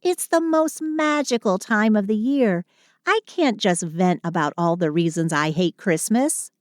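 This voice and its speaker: A woman's voice: mid-range voice, lively intonation, unhurried, no room sound, clean studio sound, close to an everyday voice. A woman playing a short, sulky but affectionate Christmas elf in an intimate audio roleplay, with dramatic sighing complaints and fond endearments. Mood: caring, reluctant.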